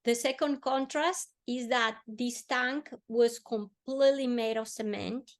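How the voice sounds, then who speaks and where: A woman, a guest on an interview show, telling a personal story earnestly and slowing down softly on emotional moments. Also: on the high side, steady tone. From Colombia. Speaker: podcast guest.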